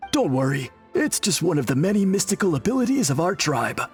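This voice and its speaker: An actor playing a dutiful, courteous tribal priest in an anime game, speaking formally and earnestly with a husky voice. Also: male voice, on the high side, sing-song, fairly quick, faint music behind.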